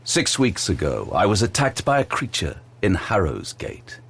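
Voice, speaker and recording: A man's voice: deep voice, wildly swooping pitch, normal speed, vocal fry, background noise, full character voice. An actor playing a brooding, haunted detective who narrates his own story intensely in an audio drama.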